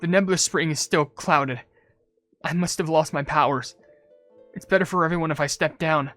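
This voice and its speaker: A woman's voice: low voice, normal speed, fairly bright tone, soft background music. A woman voicing a guilty, self-blaming young female oracle in a game cutscene, speaking in a subdued, earnest way. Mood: dejected. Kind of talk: video game cutscene voice acting.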